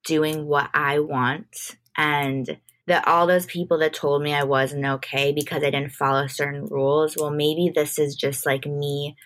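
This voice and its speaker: A woman's voice: low-pitched, level tone, unhurried, hardly any pauses, fairly bright tone. A woman as an interview guest, telling stories in a casual, informal way and often saying "like". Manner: informal, peppered with "like". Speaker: podcast guest, music manager. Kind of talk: casual conversational storytelling.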